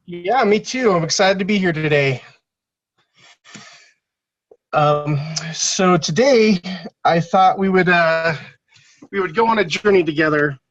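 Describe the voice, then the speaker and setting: A man getting over a cold, his voice a little raspy, giving a motivational team training in a halting way, with many fillers and restarts. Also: high voice, no room sound, highs cut off.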